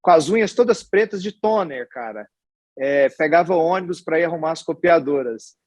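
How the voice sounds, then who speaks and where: A man in his forties from Goiás, Brazil, with a Goiás accent, chatting as an interview guest and telling his life story in a relaxed, rambling way. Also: fairly high pitch, moderate pace, no echo. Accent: Goiás Brazilian Portuguese. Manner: chatty and storytelling, with many restarts and tag questions. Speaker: guest, hospital executive. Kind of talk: casual interview conversation.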